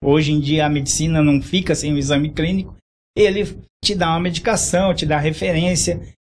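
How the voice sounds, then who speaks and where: Speech moves at a fairly quick pace with ordinary pitch variation over light background noise. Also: man, fairly high pitch for a man. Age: 50s. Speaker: firefighter sergeant. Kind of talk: interview. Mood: calm, informative. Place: home room. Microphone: handheld.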